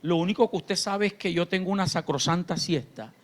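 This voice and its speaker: A man pastor, preaching a sermon in church. His delivery swings between shouted fervor and quiet, confiding talk. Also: high-pitched, brisk. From Colombia. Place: church sanctuary.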